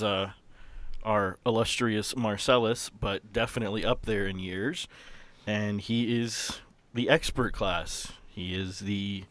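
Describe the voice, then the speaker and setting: A man explaining a character's background in a casual, halting way as a podcast guest. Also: fairly low pitch. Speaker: podcast guest introducing his game character.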